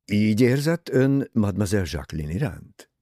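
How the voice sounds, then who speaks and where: Poirot, a man doing a calm, shrewd older detective. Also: lowish voice, dry recording, studio quality. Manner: quiet, measured and musing.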